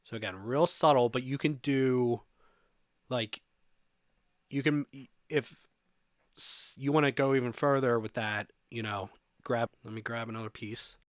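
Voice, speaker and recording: A man giving a casual software walkthrough as a music production tutorial presenter, thinking aloud informally as he demonstrates. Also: medium pitch, a little slow, no echo, studio quality.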